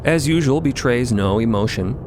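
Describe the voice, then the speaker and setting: A man's voice: mid-range voice, expressive, moderate pace, background noise. A man reading dramatic scripted narration for an audio story.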